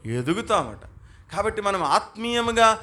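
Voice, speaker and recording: Male preacher, Telugu accent, bright slightly high voice, sermon with rhetorical questions. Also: big pitch swings, a little slow. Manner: rhetorical questions to the congregation, acts out quoted voices. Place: church hall.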